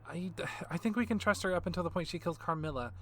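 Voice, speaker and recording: A woman's voice: lowish voice, fast talker, slight background noise, close to an everyday voice. A woman playing a distraught, hot-headed, foul-mouthed character in an audio drama, blunt and urgent. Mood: urgent, defiant.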